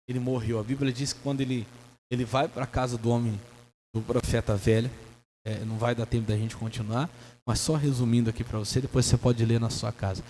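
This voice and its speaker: A Brazilian man preaching a sermon as pastor. He swings between soft and loud passages and mimics church members in his own voice. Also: medium pitch. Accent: Brazilian Portuguese. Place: church sanctuary. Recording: long church reverb, faint hum.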